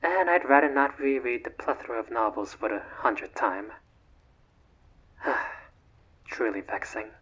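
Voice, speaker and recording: A man voicing a bored, courteous immortal vampire in a roleplay audio, with formal, measured, slightly haughty old-fashioned diction and a husky voice. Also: mid-range voice, animated, a bit bright, muffled recording. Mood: dry, world-weary. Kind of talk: scripted roleplay audio drama, one side of a phone call.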